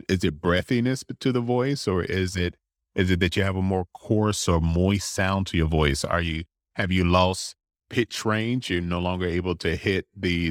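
A man with a very low, deep voice talks through his clinical work at a steady, explanatory pace. He now and then slips into quoting his patients. The sound is dry and close, with no room around it. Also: dry recording. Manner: measured, explanatory, acts out patient quotes. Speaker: voice specialist clinician. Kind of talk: interview answers, explanatory.

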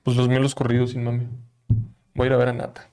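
A man's voice: mid-range voice, completely flat delivery, quick pace, over loud music. Young mexican guy on a podcast, teasing, swears a ton, mid voice. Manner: teasing, heavy slang and swearing. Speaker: podcast co-host. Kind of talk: casual chat.

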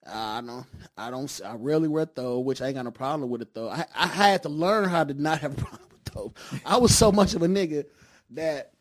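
A man's voice: medium pitch, fairly quick, few pauses. A man from Detroit with an African American accent, talking casually and emphatically, repeating himself and checking he is understood. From Detroit, United States. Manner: emphatic and repetitive, with frequent checking tags. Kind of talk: casual conversation.

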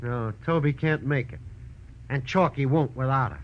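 An American actor playing a shifty, whining little paroled crook, talking in gangster slang in 1940s radio style. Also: male voice, mid-range voice, normal speed, natural voice. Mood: smug, menacing. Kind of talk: 1940s radio crime acting. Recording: dull old radio recording.

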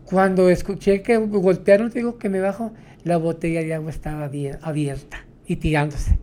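A man's voice: high voice, level tone, normal speed, dark tone. A man, a taxi driver, telling his stories in a rambling way, tagging his sentences with "¿no?". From Mexico. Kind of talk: storytelling interview.

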